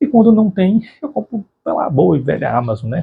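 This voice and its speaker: Somewhat breathy, a man speaks in a dark, mellow tone with a Brazilian accent. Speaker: book YouTuber. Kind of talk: casual Q&A monologue. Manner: fast.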